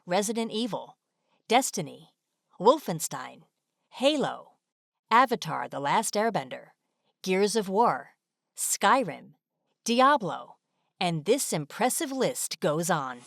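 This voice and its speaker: A woman's voice: mid-range voice, big pitch swings, takes it slowly, creaky, pauses often, a bit bright, dry recording, clean studio sound. A woman reading scripted narration as the presenter of an informational video. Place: dry studio voice-over.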